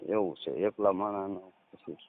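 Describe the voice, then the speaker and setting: A man in his thirties with a Saurashtra Gujarati accent, talking casually as a caller in halting, repeated short phrases. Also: deep voice, no echo. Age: 30s. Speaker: caller, farmer. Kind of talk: casual phone conversation. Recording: tinny, narrowband phone call recording.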